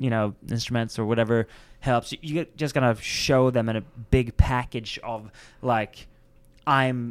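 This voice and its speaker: Using a Swedish accent, a man speaks at medium pitch and a fairly slow pace with fairly even intonation. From Sweden, Stockholm. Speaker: guitarist. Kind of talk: interview.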